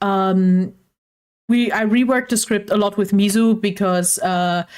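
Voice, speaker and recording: With a German accent, a woman speaks at a fairly slow pace in a medium pitch, her intonation fairly even and her loudness very even. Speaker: vtuber streamer. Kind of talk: casual chat.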